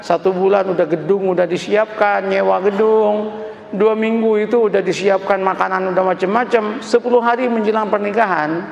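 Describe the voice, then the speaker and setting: A man's voice: high voice, steady tone, moderate pace, creaky. A man telling a humorous story as a preacher, acting out the dialogue in a sermon. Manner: acts out dialogue with Javanese phrases, laughing asides. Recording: echoey hall, lo-fi audio with faint ambience.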